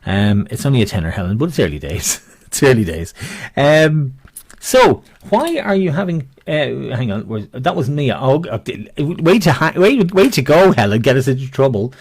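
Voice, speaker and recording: Husky-voiced man calling bingo. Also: mid-range voice, very animated, moderate pace, dry recording, clean studio sound. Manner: jokey, chatty, rambling. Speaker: bingo caller and host. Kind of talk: bingo calling with rhyming nicknames, casual banter.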